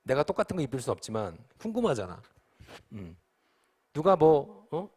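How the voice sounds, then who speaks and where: A young male pastor preaching a lively youth sermon, his fairly high voice swinging up and down. He talks casually and acts out scenes in quick asides. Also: breathy edge. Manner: animated, acts out the disciples' panic in quick asides.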